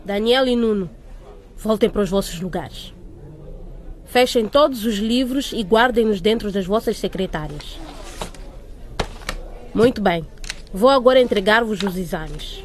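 A woman playing a strict teacher in a radio drama, giving commands deliberately. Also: medium pitch, close to an everyday voice. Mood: stern. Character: strict teacher starting an exam. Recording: classroom crowd murmur behind.

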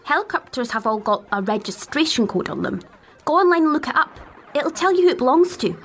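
A woman's voice: sits high, sing-song, a little fast, fairly bright tone, a little hiss or hum, exaggerated voice. A woman playing a matter-of-fact, tech-savvy schoolgirl with a British accent in a children's radio drama.

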